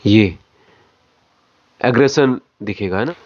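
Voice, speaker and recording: Guy teaching acting, explains bit by bit, repeats himself for emphasis, muffled lo-fi sound. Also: medium pitch. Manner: halting, phrase by phrase, repeats for emphasis. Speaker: acting coach. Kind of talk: explanatory lesson on voice modulation.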